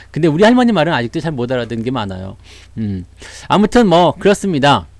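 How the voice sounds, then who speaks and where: Brief: male livestream host with Jeolla dialect, lively pitch, dry close sound, chatty and laughing. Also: fast, no room sound. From Seoul, South Korea. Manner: chatty, greets viewers, laughs often, mimics voices. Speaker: stock market livestream host. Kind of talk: casual livestream talk.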